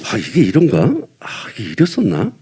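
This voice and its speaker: A man's voice: mid-range voice, huge pitch swings, moderate pace, dark tone, slightly rough. An older man from Seoul, a veteran actor, chatting casually at a press event, rambling and self-deprecating with little chuckles between thoughts. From Seoul, South Korea. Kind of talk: casual press-conference chat.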